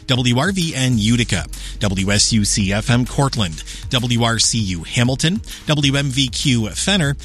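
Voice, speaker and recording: A man giving a brisk station break announcement on public radio. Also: medium pitch, a bit bright.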